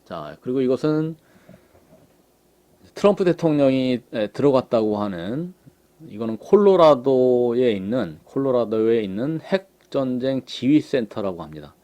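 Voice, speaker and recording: Male commentator, conversational, unhurried, filler-heavy delivery. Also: mid-range voice, expressive, dark tone. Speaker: political commentator. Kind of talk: casual commentary on images.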